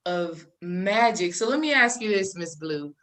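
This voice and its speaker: Very slow-talking woman interviewer. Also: lowish voice, expressive, fairly bright tone. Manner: admiring, drawn-out emphasis. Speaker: show co-host, interviewer. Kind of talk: conversational interviewing.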